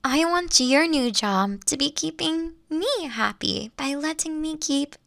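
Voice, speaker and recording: A woman playing a caring, affectionate boss in an intimate audio roleplay, coaxing and gently teasing, at times dropping to a near-whisper. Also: sits high, lively intonation, unhurried, gravelly, no room sound, clean studio sound, heavily acted. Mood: tender, coaxing. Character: caring, doting older female boss courting her sweet employee.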